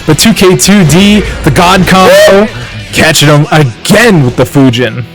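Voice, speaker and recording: Analytical male esports commentator. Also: on the high side. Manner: measured, analytical, quick asides. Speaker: fighting game commentator. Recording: faint music underneath.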